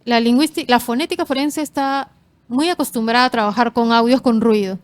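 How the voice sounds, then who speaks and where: A woman's voice: on the high side, fairly even intonation. Woman explaining expert topics. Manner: measured and explanatory, gives examples. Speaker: forensic linguist guest. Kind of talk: explanatory interview answers.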